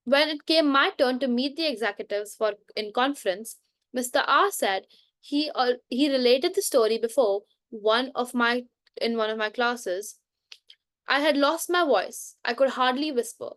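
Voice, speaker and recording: Woman, slightly high voice, reading a book aloud, frequent self-corrections, dry close sound. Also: moderate pace, a bit bright, no echo. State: coughing now and then. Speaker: book reader. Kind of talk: unscripted bedtime book reading.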